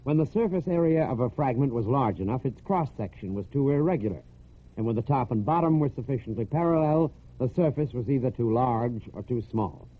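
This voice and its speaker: A man's voice: mid-range voice, expressive, fairly quick. An American man hosting a military radio programme, narrating scripted human-interest stories in a folksy, conversational way. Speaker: radio host and storyteller. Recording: narrow, tinny old radio recording.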